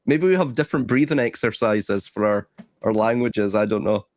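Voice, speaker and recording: A man speaking with an Edinburgh Scottish accent in a relaxed stream chat. His voice sits a bit low and sounds dry and close, with no room around it. He talks quickly and restarts phrases as he goes. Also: no echo. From Scotland. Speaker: stream host. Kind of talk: casual chat.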